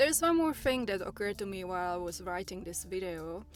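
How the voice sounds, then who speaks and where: A woman with a non-native accent, music in the background. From Czech Republic. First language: Czech. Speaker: flight instructor. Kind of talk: casual talk to camera.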